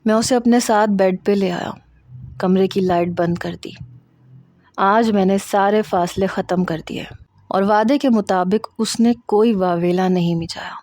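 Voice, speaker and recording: A woman narrating a first-person love story in a steady, plain reading. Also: medium pitch, no echo, clean studio sound.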